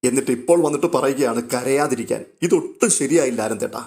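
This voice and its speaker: A man's voice: mid-range voice, fast talker, creaky, darkish tone, natural voice. A man voicing a hurt, resentful young wife who speaks accusingly. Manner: accusing, bitter.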